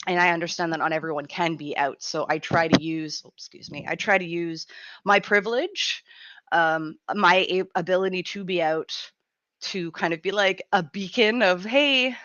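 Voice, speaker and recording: A woman in her thirties hosting a radio show in casual chat, her voice raspy and gruff from a cold, chatty and laughing often. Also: on the low side, a bit bright, no echo, muffled recording. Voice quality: raspy, grumbly. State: has a cold, gruff throat. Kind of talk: casual live-stream chat.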